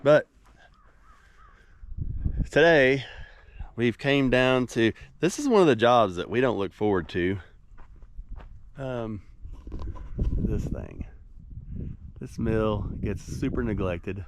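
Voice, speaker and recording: A man's voice: medium pitch, lively intonation, takes it slowly, pauses often. A man, stuffy and nasal from a cold, chatting casually and rambling in a folksy way as he works on a windmill outdoors. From Oklahoma. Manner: rambling, folksy, self-deprecating. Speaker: windmill repairman. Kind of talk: casual vlog narration. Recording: noisy outdoor recording.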